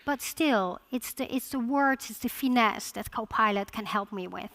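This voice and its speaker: This conference speaker, a woman from the Netherlands, has a Dutch accent and a voice on the high side with a fairly bright tone. Her talk stumbles along with frequent restarts and repeated words.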